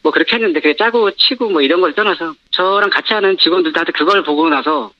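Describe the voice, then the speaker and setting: A man with his voice disguised by a pitch-shifting modulator, calling in as an anonymous former store owner and talking hesitantly with many fillers. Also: quick pace, dry recording. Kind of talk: phone-in news interview. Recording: dull phone line.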